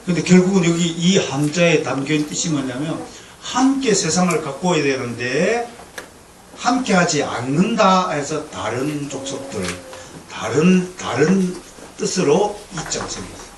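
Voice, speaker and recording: A male pastor preaching a lively lecture-sermon to a congregation, with humor and call-and-response. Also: a little high, unhurried. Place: church sanctuary. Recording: echoey hall, distant mic, faint noise.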